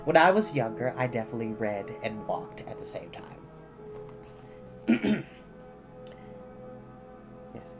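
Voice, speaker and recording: An expressive, informal storyteller reading a children's book aloud, with casual asides. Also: medium pitch, takes it slowly, long pauses, music in the background, rough recording. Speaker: storyteller and host.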